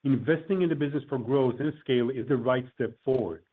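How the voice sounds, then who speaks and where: Male executive, medium pitch, formal scripted corporate delivery, narrow telephone-conference audio. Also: quick pace. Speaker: company executive presenting on an earnings call. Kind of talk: prepared corporate remarks, read from a script. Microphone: conference call line. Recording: tinny phone-line conference call audio.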